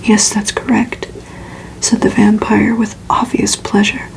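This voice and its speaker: A woman softly whispering a novel aloud in a breathy, hushed, measured ASMR storytelling style. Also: medium pitch, level tone, rough recording. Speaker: ASMR reader. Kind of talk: whispered ASMR audiobook reading of a gothic novel.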